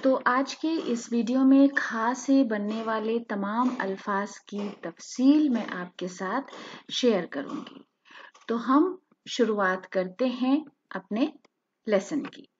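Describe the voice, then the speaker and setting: Woman teacher, slow letter-by-letter spelling, higher voice, dull lo-fi voice-over. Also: a little hiss or hum. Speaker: language teacher. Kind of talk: spelling-out lesson narration.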